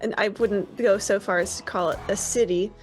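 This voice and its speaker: A woman's voice: medium pitch, steady tone, moderate pace, faint music behind, rough recording. A woman running a tabletop pirate game, narrating in a casual, chatty way. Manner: casual, chatty, laughs easily. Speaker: game master.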